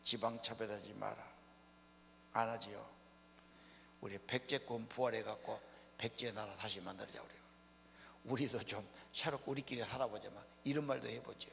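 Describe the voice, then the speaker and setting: Steady and somewhat low, with vocal fry and a fairly bright tone, this older Honam pastor speaks at a normal pace. He delivers a homespun sermon, putting questions to the congregation amid plain speech. Church hall echo and electrical hum color the recording.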